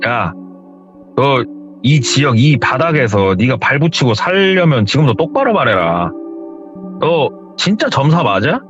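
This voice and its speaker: A man's voice: medium pitch, very animated, a little slow, lo-fi sound, over music. A man voicing a belligerent, hot-tempered young tough guy who bullies and threatens, in a retold horror story. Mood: threatening. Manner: menacing, threatening and bullying.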